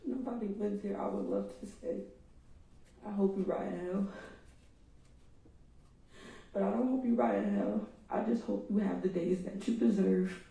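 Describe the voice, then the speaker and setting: Grieving mom addressing the court, dark gravelly voice, echoey courtroom audio from far off. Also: female voice, mid-range voice, lively intonation, brisk. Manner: raw and emotional, speaking straight to the defendant. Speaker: victim's mother giving an impact statement. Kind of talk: courtroom victim impact statement.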